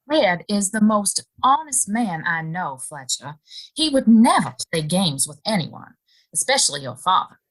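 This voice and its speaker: A woman playing a loyal, quietly defiant saloon bartender in a Western audio play, speaking in a guarded way. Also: medium pitch, sing-song, low-quality recording. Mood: guarded, defensive. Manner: measured, guarded, sighing.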